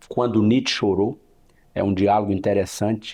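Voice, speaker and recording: With fairly even intonation, a man speaks at a fairly low pitch in a dark, mellow tone. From northern Goiás (now Tocantins), Brazil. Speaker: criminal lawyer. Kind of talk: interview.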